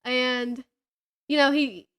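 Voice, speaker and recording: A woman in her thirties with a fairly high voice co-hosts a book podcast. She talks in a casual, chatty way, gushing and giggling as she goes. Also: fairly even intonation, slow pace, a bit bright, clean tone. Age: 30s. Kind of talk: casual chat about books.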